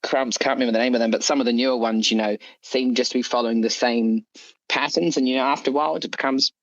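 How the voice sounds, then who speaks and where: A man's voice: medium pitch, steady tone, fast, a bit bright, dry recording, highs cut off. A man speaking as an author being interviewed, chatting casually in a rambling, hedging way. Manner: rambling, hedging with frequent "you know" and "like". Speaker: interview guest, horror story author.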